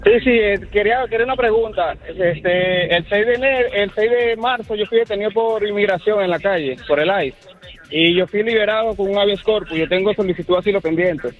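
A man calling into a radio show, speaking haltingly and repeating his words. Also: sits high, soft background music. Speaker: caller. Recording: distant tinny phone-in line.

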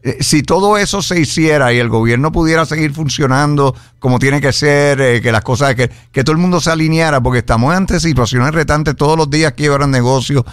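A man co-hosting a talk radio panel, speaking in a measured way with hesitant starts. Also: on the high side, clear, resonant tone, no echo, studio quality.

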